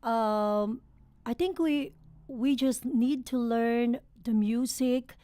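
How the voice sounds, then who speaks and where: A woman's voice: on the high side, slow, warm tone, clear, resonant tone, dry recording. A woman from the Philippines with a Filipino accent, a singer chatting cheerfully as a guest on a talk show, laughing often. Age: adult, sang professionally since eighteen. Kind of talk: casual interview chat. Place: podcast studio.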